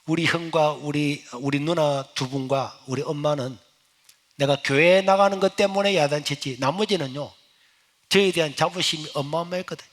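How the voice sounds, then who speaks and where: A middle-aged male pastor with a Gyeongsang accent, telling a lively story in a sermon. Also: on the high side, moderate pace. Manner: animated, storytelling. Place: church sanctuary. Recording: echoey church hall.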